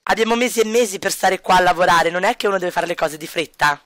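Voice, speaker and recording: A lazy, cocky man teases and jokes, as a man plays him. The voice is bright and fairly high, with an easygoing, ribbing tone. It is recorded dry and close. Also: quick pace, no room sound. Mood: teasing, laid-back. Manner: teasing and laid-back.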